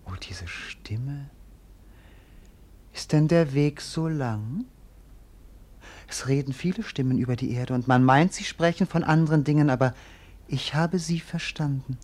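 An actor playing a bored, melancholy young prince in a radio play, declaiming lyrically. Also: male voice, mid-range voice, unhurried, pauses often, a little mellow, close to an everyday voice. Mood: melancholy, rapt. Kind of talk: theatrical German radio play acting.

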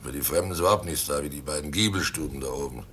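A shifty bossy innkeeper in a radio play, super low but forceful voice, bit of noise behind. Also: male voice, very fast. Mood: defensive. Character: guilty village innkeeper, domineering and slyly jovial. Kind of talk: German radio play acting.

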